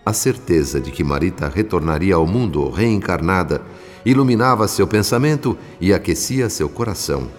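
Benevolent spirit storyteller, deep voice, solemn scripted narration, music behind. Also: male voice, expressive, normal speed. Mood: solemn, serene. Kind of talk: scripted radio drama narration. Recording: long reverb, music behind.

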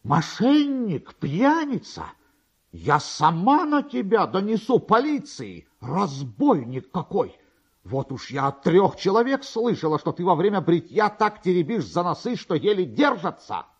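A man's voice: very animated, unhurried, slightly rough, muffled recording, full character voice. A man voicing a furious, shrewish barber's wife who scolds and abuses her husband in a literary story. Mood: furious accusing. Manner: shrill, scolding, abusive.

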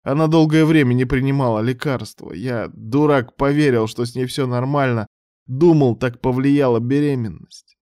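A man's voice: mid-range voice, normal speed, a little mellow, no echo, studio quality, voice pushed up, lightly acted. A man voicing a remorseful, broken old father who pleads in a wheezy, tearful voice in an audiobook. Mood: tearful pleading. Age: older. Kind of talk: audiobook character voice.

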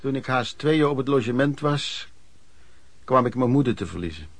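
A man's voice: mid-range voice, expressive, moderate pace, faint music behind, close to an everyday voice. An actor playing a former street peddler who frankly recounts his youth as radio play narration, in a conversational way. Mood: reflective. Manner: conversational storytelling.

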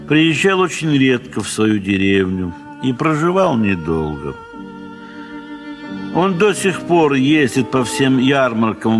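Male literary narrator, theatrical and measured. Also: medium pitch. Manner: measured, expressive, theatrical phrasing with pauses. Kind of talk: dramatized literary narration, 1970s Soviet audio play. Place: recording studio.

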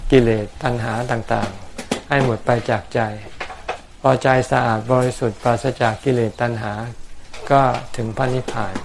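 A Buddhist monk calmly answering questions from his followers in plain words, with homely examples and touches of dry humor. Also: mid-range voice, a little slow, creaky, noisy background. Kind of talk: dharma talk answering questions.

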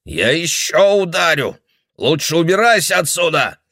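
A man voicing a confused, angry old father who shouts accusations. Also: fairly high pitch, sing-song, slow pace, no echo, pitched above the performer's own voice, exaggerated voice. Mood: raging.

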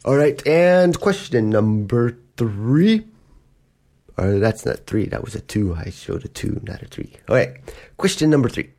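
A man's voice: medium pitch, very animated, a little slow, a little mellow. A man hosting a podcast that teaches English, explaining words patiently in a casual way and acting out little example quotes. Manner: gives examples in playful put-on quotes.

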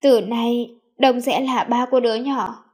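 Woman voicing a gentle, coaxing young mother-to-be. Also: fairly high pitch, unhurried, natural voice. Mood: tender. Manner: coaxing, affectionate. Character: gentle playful pregnant young woman, doting older sister figure.

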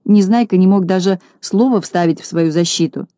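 Low, mellow woman storyteller. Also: moderate pace, no room sound. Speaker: audiobook narrator. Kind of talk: scripted storybook narration.

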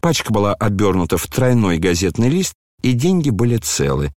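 A man narrating a classic novel as an audiobook in a steady, measured storytelling manner. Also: on the low side, no room sound, studio quality.

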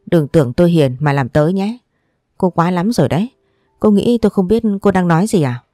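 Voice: medium pitch, animated, brisk, warm tone, dry recording, studio quality, lightly acted. A storyteller voicing a stern, angry young husband who scolds harshly.

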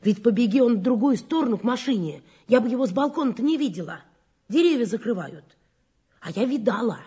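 A woman's voice: a little high, lively intonation, fairly quick, mellow, slightly rough. An actress playing a talkative, folksy older woman eyewitness in an audio drama, speaking in a rustic, colloquial way. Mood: eager, gossipy. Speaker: witness. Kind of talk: Russian audio drama acting.

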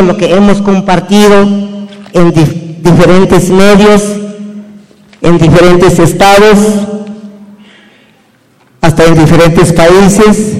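A man whose first language is an indigenous one gives earnest, halting testimony in Spanish at a public hearing. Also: sits high, a little mellow, in a large hall, low-quality recording. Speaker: indigenous community witness. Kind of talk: slow formal testimony at a hearing. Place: hearing hall.

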